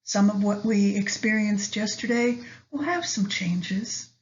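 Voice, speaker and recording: A woman guides a meditation at a very slow pace, leaving long pauses between her soft phrases. Her delivery is soothing, and the recording is a little dull and lo-fi. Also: medium pitch.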